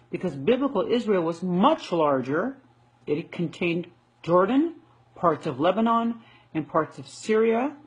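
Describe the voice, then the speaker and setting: A woman's voice: lowish voice, husky, low-quality recording. A woman from the United States speaking straight to camera in an indignant, emphatic rebuttal, repeating her points for stress. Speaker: video commentator. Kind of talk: direct-to-camera rebuttal monologue.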